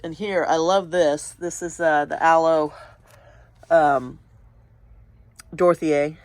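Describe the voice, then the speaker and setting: A garden vlogger with a low, congested and sniffly voice strolls through her home garden in the early morning, casually pointing things out as her commentary wanders. She speaks slowly with fairly even intonation and a slightly mellow tone, and there's no echo.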